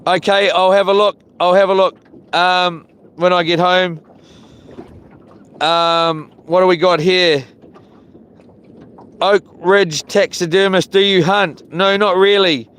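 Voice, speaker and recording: This New Zealand man, with a broad accent, rambles casually through a fishing livestream from a small boat outdoors. His voice sits high with a fairly bright tone and fairly even intonation, and he speaks slowly with long pauses. Boat and water sounds are clear in the background.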